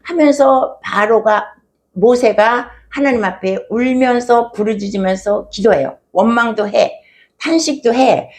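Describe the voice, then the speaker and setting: A woman's voice: a little high, a little slow, a little mellow. A woman pastor preaching a sermon, retelling a scripture story and acting out its voices with rising feeling. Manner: storytelling, acts out quoted voices, rising emotion.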